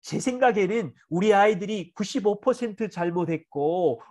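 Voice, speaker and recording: Animated, high-pitched Korean pastor teaching. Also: male voice, normal speed. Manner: earnest, acts out parent and child dialogue. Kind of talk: teaching a church parenting seminar.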